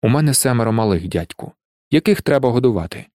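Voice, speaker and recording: A man voicing a gaunt, gloomy Parisian gravedigger who speaks low, quiet and self-important, in an audiobook. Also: animated, quick pace, dry recording, studio quality, natural voice. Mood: solemn.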